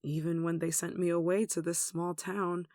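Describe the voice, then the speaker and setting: Casting: performer to play a caring nun for ASMR audio drama; soothing, wistful, intimate delivery at medium pitch, very dry close mic. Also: level tone, moderate pace, no echo, lightly acted. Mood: fond, wistful. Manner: tender, soothing, wistful, with sighs and soft chuckles. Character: gentle, protective young nun caring for a sick demon. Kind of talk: ASMR roleplay, soft intimate acting.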